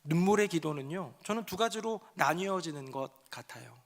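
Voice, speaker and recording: A man preaching a sermon as pastor, swinging between soft, low musings and loud, emotive passages as he acts out people's prayers. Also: lively intonation, normal speed.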